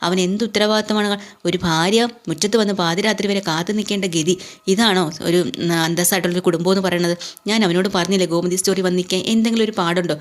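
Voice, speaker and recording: A woman's voice: lowish voice, fairly even intonation, fast talker, close to an everyday voice. A woman voicing a stern, indignant middle-aged father in a retold TV serial. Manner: scolding, indignant.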